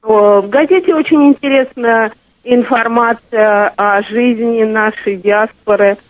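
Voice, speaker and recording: A woman's voice: a little high, fairly even intonation, a little slow, no room sound. Hesitant woman on a tinny phone line. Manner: hesitant, with many fillers. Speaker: journalist and guest. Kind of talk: phone-in interview. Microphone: telephone.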